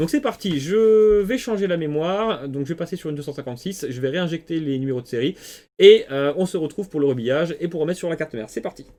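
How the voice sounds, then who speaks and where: A man talks at a very fast pace in a high pitch, with lively intonation. His tone is dark and mellow. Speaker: phone repair technician / YouTuber. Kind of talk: repair tutorial.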